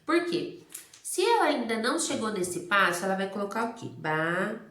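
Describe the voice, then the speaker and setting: A woman's voice: on the high side, very animated, fast, a bit bright. Brazilian woman teacher lecturing in echoey room. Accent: Brazilian Portuguese. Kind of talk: recorded lecture on early literacy. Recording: roomy, echoey recording.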